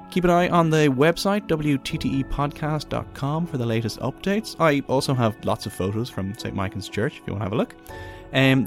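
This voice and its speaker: Informal male podcast host, lively intonation. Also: mid-range voice. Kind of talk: scripted podcast outro.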